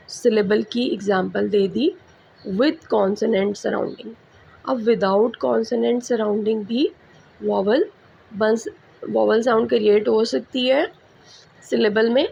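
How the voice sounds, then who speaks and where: A woman with a Pakistani English accent teaching a school English lesson, speaking slowly and repeating example words. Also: mid-range voice, vocal fry, darkish tone. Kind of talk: slow classroom lecture mixing Hindi-Urdu and English. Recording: slightly muffled recording with faint background hiss.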